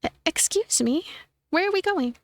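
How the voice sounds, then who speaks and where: A woman voicing a guarded, polite young heroine of a visual novel, halting in her speech. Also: very high-pitched, expressive, dry recording, pitched above the performer's own voice.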